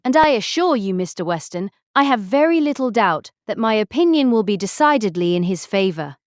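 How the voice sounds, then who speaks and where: An actress playing a vain, self-satisfied young married gentlewoman in a period audiobook drama, chatty, affected and pompous. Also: mid-range voice, sing-song, fairly quick, no room sound, studio quality, lightly acted. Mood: self-important. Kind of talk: full-cast audiobook period drama acting.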